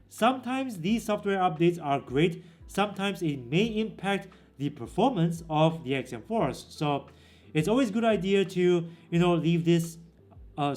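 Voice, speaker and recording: A man's voice: fairly high pitch, darkish tone. A man who reviews tech gear, walking through product settings in a casual, direct way. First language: English. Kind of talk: product walkthrough.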